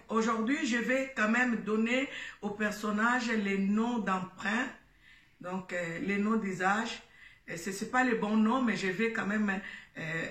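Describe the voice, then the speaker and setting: Slow, bright-voiced woman host in an echoey room. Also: mid-range voice. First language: Lingala. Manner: hesitant, with frequent fillers and restarts. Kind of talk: addressing listeners as a churchgoing sister, retelling a story. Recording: roomy echo, distant mic.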